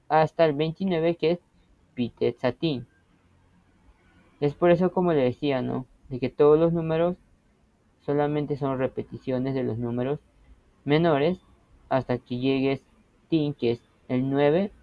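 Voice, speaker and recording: A man's voice: a little high, a little slow, long pauses, dry recording, muffled recording. A man teaching an interactive language lesson, patiently explaining and often checking that students follow.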